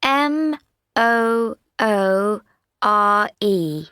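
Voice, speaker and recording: A woman playing a customer signing up for a computer course, speaking very slowly. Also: mid-range voice, animated, a bit bright, smooth, no room sound, studio quality. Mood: eager.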